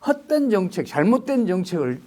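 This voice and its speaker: A man with a high voice answers interview questions as an economics expert. He talks in an emphatic, lecturing way, throwing out rhetorical questions. His delivery swings widely in pitch. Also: big pitch swings, a little fast, mellow.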